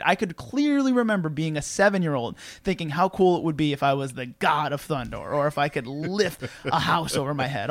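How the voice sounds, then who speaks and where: Animated swearing podcast host, a man. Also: a little high, no echo. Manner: swears freely, laughs, animated storytelling. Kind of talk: casual chat.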